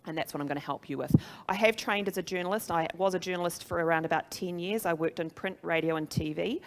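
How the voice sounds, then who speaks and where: A middle-aged woman with a New Zealand accent speaks in a fairly low register. She presents like a business trainer, chatty yet emphatic. She often turns to her listeners with questions. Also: fast talker. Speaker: social media trainer and speaker. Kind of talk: motivational business presentation to a live audience.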